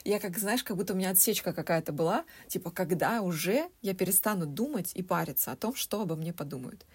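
A woman's voice: fairly low pitch, animated, quick pace, husky. A young woman in her late twenties co-hosting a podcast, chatting casually and retelling stories with little acted quotes. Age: 20s. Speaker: podcast co-host.

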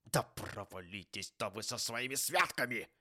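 A man's voice: on the low side, animated, normal speed, sharp tone, exaggerated voice. A man reading an audiobook voices a grumpy, stingy old miser who talks in a scornful, harsh, snapping way. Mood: grumbling.

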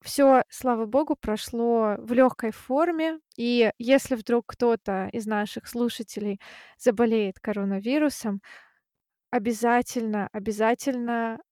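A woman from Siberia hosting a podcast, talking in a friendly, lively way in casual chat. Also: a little high, a little slow, no room sound, studio quality. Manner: friendly, lively, laughs easily. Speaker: podcast host.

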